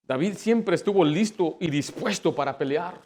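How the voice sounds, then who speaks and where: Pastor guy preaching, kinda high voice, tells stories then gets loud and fired up. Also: expressive, moderate pace. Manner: storytelling, acts out quoted voices, builds to loud exhortation. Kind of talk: sermon.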